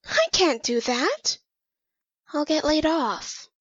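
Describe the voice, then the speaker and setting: A woman's voice: high voice, very animated, takes it slowly, dry recording, muffled recording, heavily acted. A woman playing a quirky, scheming mirror clone with theatrical manner in an amateur audio drama. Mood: awkward. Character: mirror-born female clone, quirky aspiring world conqueror.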